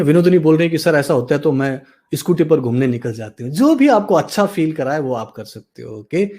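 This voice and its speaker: Husky-voiced man coaching with lively energy. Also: a little high. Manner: lively, mixes in English phrases, acts out example feelings. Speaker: motivational coach. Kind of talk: live online coaching session.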